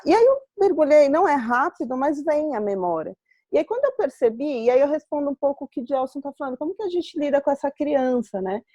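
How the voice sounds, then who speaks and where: A woman's voice: high-pitched, dark tone, no echo, clean studio sound. A Brazilian woman hosting a live webinar, explaining in an earnest, reflective way with personal examples over a video call. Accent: Brazilian Portuguese. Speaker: webinar host.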